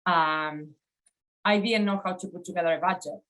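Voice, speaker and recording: Woman, argentine accent, forties, low-ish voice, design lecture, reflective, webcam. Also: moderate pace, fairly bright tone, rough recording. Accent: Argentine Spanish. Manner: reflective, often adds "right?". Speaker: design educator. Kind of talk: conference lecture over slides. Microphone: webcam on video call.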